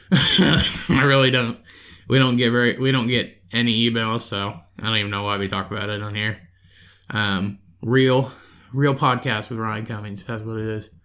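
A man's voice: lowish voice, little pitch movement, normal speed, pushed and bright. A man hosting a solo podcast, rambling and swearing in an offhand way, his nose a little congested. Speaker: podcast host.

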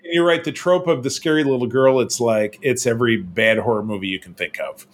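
A man co-hosting a casual show, chatting about TV episodes in an animated, talkative way. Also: medium pitch, a little hiss or hum. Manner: animated, chatty, mimics characters in quick asides. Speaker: podcast co-host. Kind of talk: casual chat reviewing TV episodes.

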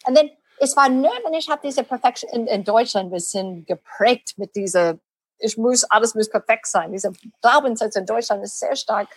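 Husky American-accented woman, a non-native speaker. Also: a little high, normal speed, no room sound. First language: English. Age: late 40s. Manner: imperfect learner's grammar, switching into English phrases. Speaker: guest, sales and positioning coach. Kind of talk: podcast interview, conversational.

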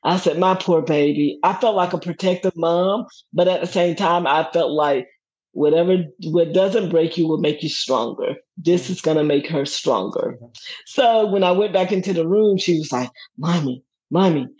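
A middle-aged woman telling a personal story as a guest, lively and laughing often as she acts out what others said. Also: fairly low pitch, moderate pace, husky. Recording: dull lo-fi recording.

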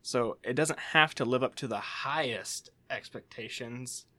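A man's voice: mid-range voice, measured pace, bright, forceful tone, slight background noise. A man co-hosting a podcast, talking casually and restarting his sentences as he goes. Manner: chatty, restarts sentences, trails off. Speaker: podcast co-host.

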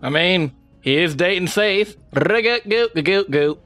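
A man's voice: high voice, animated, a little slow, fairly bright tone, faint music behind. Joking man player in a tabletop game. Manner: joking, playful. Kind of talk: casual game chat.

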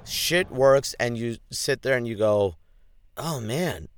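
A man's voice: mid-range voice, a little slow, clear, resonant tone, dry recording. A man hosting a casual solo podcast who rambles, chats and laughs often, poking fun at himself. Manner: rambling, chatty, laughs often, self-deprecating. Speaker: podcast host.

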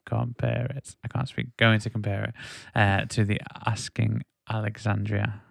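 A man's voice: fairly low pitch, level tone, moderate pace, vocal fry, no echo, studio quality. A man hosting a podcast, chatting informally about music in a rambling way and often checking for agreement. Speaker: podcast host. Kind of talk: casual music discussion chat.

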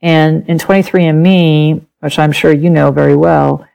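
A middle-aged woman whose first language is German, a podcast guest telling a personal story with lively laughter and acted-out quotes. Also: low-pitched, moderate pace, creaky, smooth, rough recording. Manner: animated, laughs often, acts out quoted speech.

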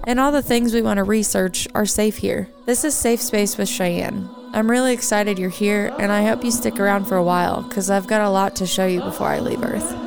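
A woman's voice: mid-range voice, steady tone, a little fast, gravelly, hardly any pauses. A woman host giving a scripted show intro, welcoming and affectionate. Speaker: podcast host. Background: music bed.

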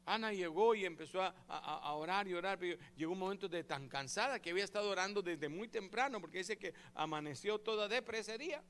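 Man, pastor, sermon, animated, forceful tone, fairly high voice. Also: fast, hardly any pauses. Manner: animated, acts out quoted prayers and voices.

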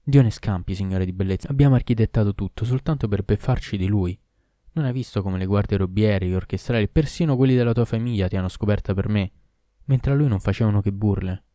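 A man's voice: lowish voice, quick pace, mellow, no room sound, studio quality, natural voice. A man reading an earnest young groom. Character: young man, surprised then reassuring.

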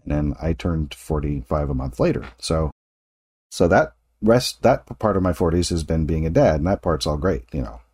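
A man's voice: rumbling low, animated, normal speed, a little mellow, breathy edge, dry recording, studio quality. A man in his late forties hosting a casual interview, talking in a rambling, self-correcting way with frequent laughs. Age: 40s. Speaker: podcast host.

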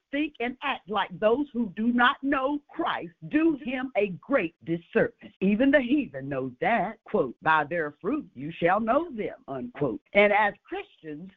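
A woman hosting a radio show, delivering a measured, emphatic devotional message and then interviewing a guest. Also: mid-range voice. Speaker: radio host. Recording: tinny phone-like radio audio.

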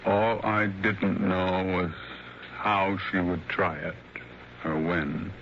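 A man's voice: deep voice, flat delivery, a little hiss or hum. A resigned old blind man. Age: older. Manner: slow, resigned and sad. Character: older blind man, husband of a young wife. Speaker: Mister Porter. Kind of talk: 1960s radio drama acting. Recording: dull lo-fi vintage radio broadcast.

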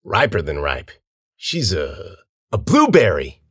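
A man's voice: sits low, wildly swooping pitch, takes it slowly, breathy edge, no room sound, clean studio sound, exaggerated voice. A man voicing a cruel, volatile male thug's sidekick who talks crudely, in a story reading. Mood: leering. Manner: crude, taunting.

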